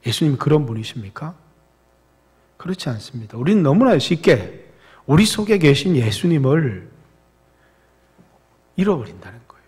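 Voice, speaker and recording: Husky, fervent Korean pastor preaching. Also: male voice, sing-song, moderate pace, pauses often. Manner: impassioned preaching, rising to loud, high rhetorical questions. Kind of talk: sermon.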